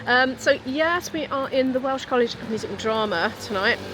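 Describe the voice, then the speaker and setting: A woman's voice: high-pitched, expressive, normal speed, echoey room, background noise. A British woman vlogging casually to a handheld camera, chatty and rambling with cheerful asides. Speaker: vlogger and musician. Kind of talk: casual vlog chat. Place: venue cafe, then at home.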